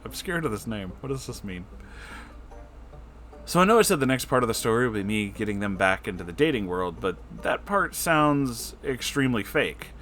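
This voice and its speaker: A man reading internet stories aloud in an expressive, effusive way, breaking in with casual, emotional asides. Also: medium pitch, normal speed, faint music behind. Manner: emotional, effusive, reactive, profane.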